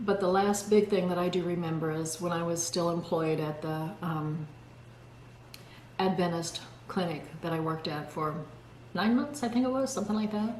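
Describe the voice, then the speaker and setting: The speaker leaves long, frequent pauses, with ordinary pitch variation. Audible room echo hangs on the sound. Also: woman, fairly low pitch for a woman, moderate pace. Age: 70s. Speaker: vlogger. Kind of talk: casual chat. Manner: halting.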